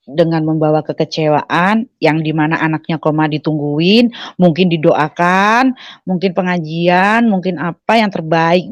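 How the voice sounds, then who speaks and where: A woman's voice: low-pitched, no room sound. A woman guest sharing a personal testimony in an earnest, conversational way, often restarting her sentences. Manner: earnest storytelling with frequent restarts.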